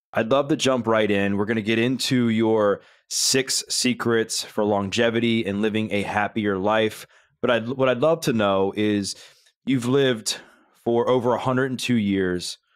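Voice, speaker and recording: An ordinary speaking voice, this man talks at a fairly slow pace and medium pitch with ordinary pitch variation, in a very clean recording with a silent background. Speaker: podcast host.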